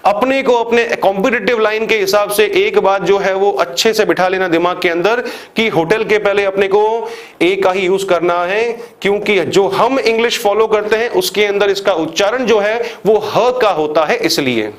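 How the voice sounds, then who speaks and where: Guy with an indian accent doing an exam grammar class, high voice, asks questions then answers them. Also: normal speed. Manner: explains step by step, repeats examples, asks and answers himself. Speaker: English teacher for exam prep. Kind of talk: classroom lecture.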